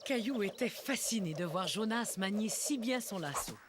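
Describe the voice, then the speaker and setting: A woman voicing the gentle storyteller of a children's cartoon, reading scripted narration expressively. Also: medium pitch, expressive, moderate pace, very noisy, lightly acted. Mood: gentle wonder. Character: gentle storybook narrator of a little boy's day. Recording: loud music behind the voice.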